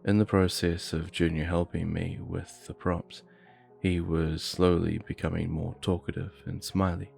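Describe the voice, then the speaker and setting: A man narrating a scripted horror story in a measured, low-key way. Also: level tone, gravelly, a little mellow, soft background music.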